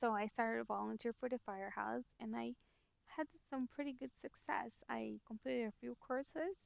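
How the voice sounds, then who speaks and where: In a Brazilian accent, a woman speaks at a moderate pace with dry, close sound and no echo. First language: Portuguese. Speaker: cleaning business owner. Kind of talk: personal story.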